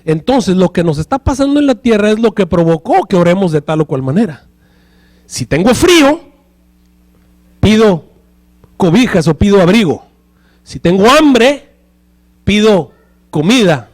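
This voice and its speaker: A man's voice: high voice, very animated, measured pace, pauses often. A male pastor preaching a sermon in church, often checking with the congregation through rhetorical questions.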